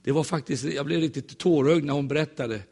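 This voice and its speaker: Lively man preaching with jokes. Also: fairly high pitch, creaky, husky. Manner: lively, jokey, acts out voices in stories. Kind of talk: humorous sermon storytelling. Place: church.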